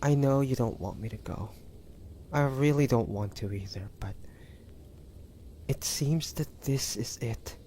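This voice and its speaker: A man playing a wounded, devoted young demon hunter in an audio drama, speaking in a halting, breathy, pained way. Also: medium pitch, warm tone, a little hiss or hum, close to an everyday voice. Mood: tender, dying. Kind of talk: dramatic audio roleplay acting.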